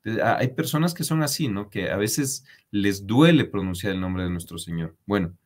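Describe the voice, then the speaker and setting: A man's voice: on the low side, animated, moderate pace. A man giving a religious commentary on a letter. He is emphatic and repetitive, addresses his viewers directly and asks them to comment. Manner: emphatic repetition, frequent restarts. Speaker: preacher.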